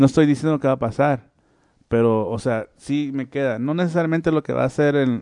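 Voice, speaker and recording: A man talks at a fairly quick pace in a fairly high, dark, mellow voice with fairly even intonation. The background is quiet. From US, of Latin American parents. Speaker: political science-educated guest. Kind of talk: casual debate. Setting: Skype call.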